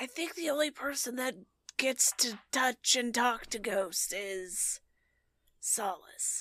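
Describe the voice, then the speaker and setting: A female-sounding, put-on character voice comes through at a high pitch and a fairly slow pace. The tone is raspy. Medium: actual play. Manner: sardonic.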